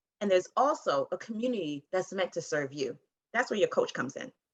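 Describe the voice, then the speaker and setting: Speaking at a fairly quick pace, a woman sounds animated, with vocal fry in her voice. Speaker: public speaking coach. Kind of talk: interview.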